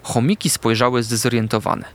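A man narrating a children's storybook in an animated, expressive way. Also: medium pitch, a little fast. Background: background music.

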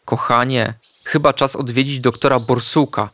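A man voicing a gentle, caring mother dog in a soft, soothing, reassuring tone for a storybook. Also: medium pitch, fairly even intonation, moderate pace, a little hiss or hum, lightly acted. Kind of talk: storybook character voice.

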